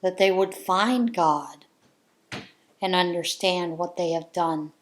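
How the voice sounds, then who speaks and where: A woman's voice: lowish voice, steady tone, slow pace. A woman hosting a crafting channel, sharing her views in a casual chat from home in an earnest, heartfelt way.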